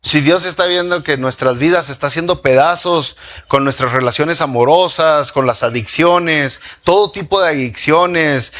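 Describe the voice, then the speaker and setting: Man preaching. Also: fairly high pitch. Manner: lively preaching, asks the congregation questions, mixes in slang. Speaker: pastor. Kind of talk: sermon.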